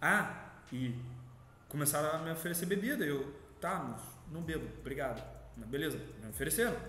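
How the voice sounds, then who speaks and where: A man speaks with ordinary pitch variation, his voice carrying audible room echo over noticeable background noise. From Rio de Janeiro, Brazil. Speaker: youtuber and business coach. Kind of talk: casual monologue.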